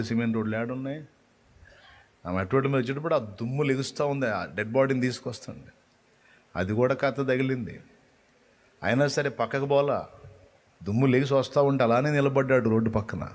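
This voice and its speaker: A man with a medium-pitched voice delivers a sermon as a preacher. He tells his story with passion and keeps asking the listeners rhetorical questions. He repeats key lines over and over for emphasis. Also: darkish tone.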